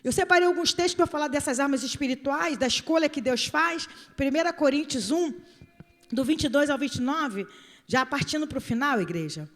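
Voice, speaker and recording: A woman's voice: high voice, lively intonation, moderate pace, long reverb tail, soft background music. A Brazilian woman pastor giving an informal sermon, emphatic, repeating phrases and putting questions to her listeners. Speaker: pastor preaching to a congregation. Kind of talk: informal sermon with acted asides and scripture reading.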